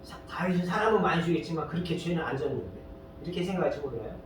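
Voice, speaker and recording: A man preaches in a large church hall, his fairly high voice bouncing around the room from some distance off the mic. He talks in a loose, storytelling way and keeps throwing questions at the congregation. A faint rumble hums underneath. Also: animated, rapid-fire. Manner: fires rhetorical questions and prods listeners with "eh?". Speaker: pastor. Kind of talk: sermon.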